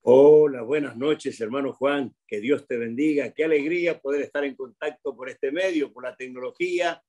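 A man's voice: mid-range voice, normal speed, a little mellow. An older man from Corrientes with an Argentine Spanish accent, a pastor talking cheerfully over a video call from home, chuckling and restarting his sentences. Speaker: pastor, guest. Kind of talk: video-call interview, storytelling. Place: home room with plants.

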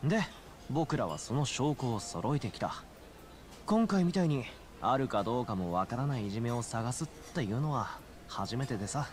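A man as a lively, easygoing detective. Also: mid-range voice, moderate pace, natural voice. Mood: explaining. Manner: casual, explanatory. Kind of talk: scripted video game drama acting.

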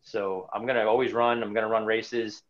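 A man's voice: on the low side, little pitch movement, moderate pace, muffled recording. Reflective man in his forties. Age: 40s. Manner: reflective, many restarts and repeated words. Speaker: interview guest, runner. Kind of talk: casual video-call interview. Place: home room indoors. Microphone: webcam on a video call.

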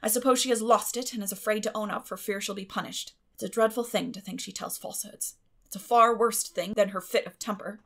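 A woman voicing a stern, suspicious middle-aged farm woman with a sharp, grim way of talking in an audiobook. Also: mid-range voice, fairly even intonation, brisk, vocal fry. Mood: troubled. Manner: sharp, grim, clipped scolding.

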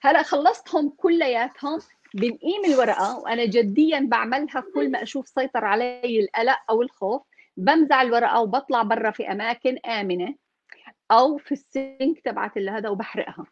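A woman talks fast and walks listeners through a practical exercise step by step, acting out example sentences as she goes. Her voice sits a little high. The recording is dry and dull, like a lo-fi mic. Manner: instructive, walks through steps, acts out example self-talk. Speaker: guest coach. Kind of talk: practical how-to talk.

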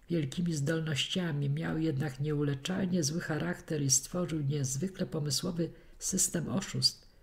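Woman, audiobook narrator, even measured reading, classic story. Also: low voice. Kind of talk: scripted narration of a classic novel.

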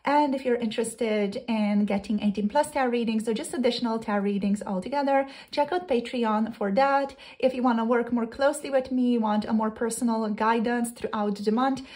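A woman's voice: on the high side, fairly even intonation, a little fast, few pauses, a little mellow. A young adult woman, a tarot reader who chats her way through a pick-a-card reading and thinks aloud as she searches for words. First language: Slovenian.

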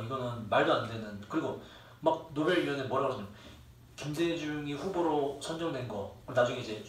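A man's voice: mid-range voice, fairly bright tone, slight background noise. A young man teaching a class, who rambles, jokes with his students and swears freely. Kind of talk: classroom lecture. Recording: echoey room, distant mic, faint ambience.

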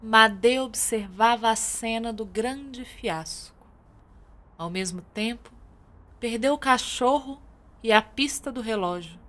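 A woman's voice: fairly high pitch, takes it slowly, fairly bright tone. A Brazilian woman narrating a scripted radio drama as a theatrical storyteller. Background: music with guitar.

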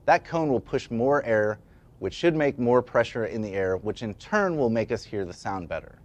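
A man's voice: medium pitch, lively intonation, normal speed. A man in his thirties giving a scripted explainer as an instructor, with an emphatic, demonstrative delivery. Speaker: educational presenter and instructor. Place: indoor studio at a demonstration table. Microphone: lapel mic.

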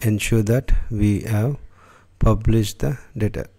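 Low, mellow-voiced male tech tutor. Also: fairly even intonation, takes it slowly, breathy edge. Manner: unscripted, frequent fillers and restarts. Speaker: tutorial host. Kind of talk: screen-recorded software tutorial.

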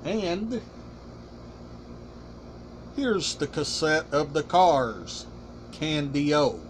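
A middle-aged man hosting a casual collection vlog, talking deliberately in short, halting, emphatic phrases. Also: on the high side, big pitch swings, a little hiss or hum. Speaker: collection channel host. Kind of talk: casual show-and-tell vlog. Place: small room indoors.

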